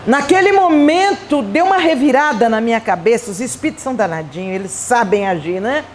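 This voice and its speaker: A Brazilian woman giving a Spiritist conference talk, telling personal stories in an animated, chatty way with playful asides. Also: a little high, brisk, a little hiss or hum. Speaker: Spiritist speaker. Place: event hall.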